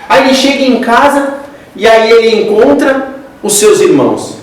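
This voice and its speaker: Very high-pitched and animated at a moderate pace, this man speaks with a Brazilian Portuguese accent. He's giving a religious lecture, a conversational spiritist one, in a lecture hall and keeps turning to the audience as "gente," heard through a distant mic in an echoey hall.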